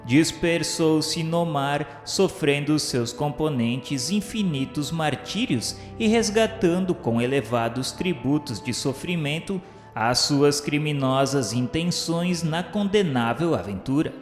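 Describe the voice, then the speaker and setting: A man with a Brazilian accent reading a solemn radio drama narration in a measured, grandiloquent way. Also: fairly high pitch, lively intonation. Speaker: narrator of a religious radio novela. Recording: reverberant hall echo, music underneath. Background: background music.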